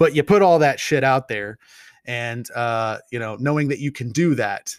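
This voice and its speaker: Here a man talks at a fairly slow pace in an ordinary speaking voice of medium pitch. The sound is dry and close, with no echo. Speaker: podcast host. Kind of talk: casual solo podcast, reading news and emails, profane. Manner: rambling, casual, self-deprecating.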